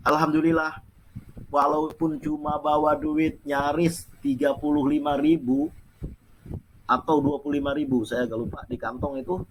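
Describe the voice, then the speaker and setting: Male storyteller, chatty and animated, very lively pitch, noisy recording. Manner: animated, chatty, laughs while telling. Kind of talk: casual personal storytelling.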